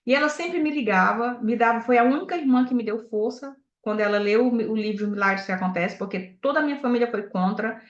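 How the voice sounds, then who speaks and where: Animated woman, echoey talk. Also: on the high side. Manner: animated, personal storytelling, direct questions to the audience. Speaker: sales director giving a motivational talk. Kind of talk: motivational talk. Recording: echoey, dull lo-fi sound.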